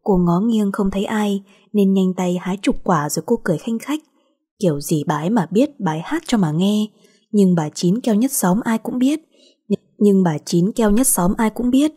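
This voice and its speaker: A woman reading a short romance story aloud as the narrator, in a steady, even storytelling manner. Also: mid-range voice, slightly rough.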